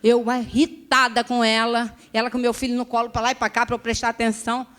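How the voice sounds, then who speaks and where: Lively Rio woman telling her testimony. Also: on the high side, a little fast. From Rio de Janeiro, Brazil. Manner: lively storytelling with acted-out dialogue. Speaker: speaker giving a testimony. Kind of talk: religious testimony to an audience. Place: restaurant event hall.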